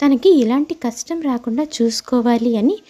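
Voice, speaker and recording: High-pitched, protective young friend played by a woman. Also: moderate pace, warm tone, lightly acted. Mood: frank, testing. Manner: insistent, frank, questioning.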